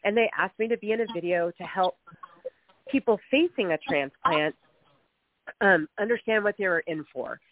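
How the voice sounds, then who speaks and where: A woman's voice: mid-range voice, moderate pace, long pauses, no room sound. A middle-aged woman hosting a radio interview, upbeat and chatty, stuffed up with a cold. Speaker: radio show host. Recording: tinny phone-like radio audio with faint music.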